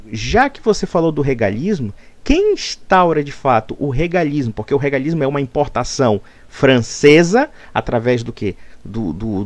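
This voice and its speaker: Man, fairly high voice, lively lecturing rebuttal, dry close sound. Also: no room sound. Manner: argumentative, lecturing. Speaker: commentator. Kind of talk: monologue rebuttal.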